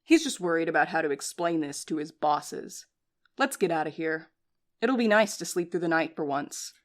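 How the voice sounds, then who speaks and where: A woman's voice: low-pitched, lively intonation, normal speed. A woman playing a blunt, defiant courier in an audio drama. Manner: blunt, confrontational.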